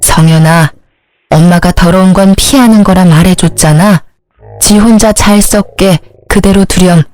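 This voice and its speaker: A woman voicing a dignified middle-aged mother who speaks in a calm, measured way, in a dry recording. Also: fairly low pitch, no room sound, natural voice.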